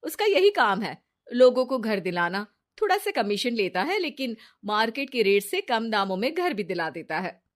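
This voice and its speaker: A woman's voice: a little high, very animated, moderate pace. A woman voicing a scheming young false friend in a cartoon story, coaxing and persuasive.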